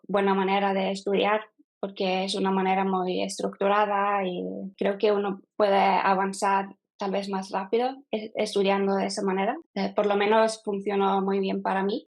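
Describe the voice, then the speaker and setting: A Norwegian woman in her thirties, a non-native speaker, answering as an interview guest, often pausing and restarting as she talks. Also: medium pitch, darkish tone. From Norway. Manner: hesitant, with frequent fillers and restarts. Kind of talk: casual interview.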